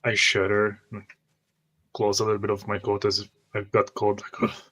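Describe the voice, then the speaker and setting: A man's voice: fairly low pitch, completely flat delivery, normal speed, a bit bright. A man playing a tabletop roleplaying game, describing his character's actions and speaking in character.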